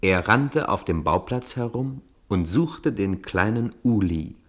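A man's voice: fairly low pitch, expressive, slow pace, fairly bright tone. A man narrating a children's radio play as a scripted storyteller.

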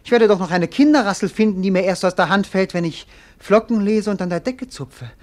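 An actor playing a bored, melancholy young prince in a radio play, declaiming lyrically. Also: male voice, high voice, brisk, darkish tone, close to an everyday voice. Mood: restless, fervent. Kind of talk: theatrical German radio play acting.

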